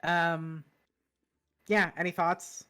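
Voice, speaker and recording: A woman's voice: fairly low pitch, fairly even intonation, drawn-out words, a bit bright, a little hiss or hum. A woman co-hosting a stream, thinking aloud in casual chat about a book she has been reading. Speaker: streamer and co-host.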